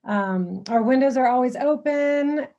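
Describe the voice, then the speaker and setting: A woman's voice: high-pitched, unhurried, mellow, highs cut off. A woman from Texas, a missionary guest, answering interview questions in an easygoing way with frequent fillers. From San Antonio, Texas.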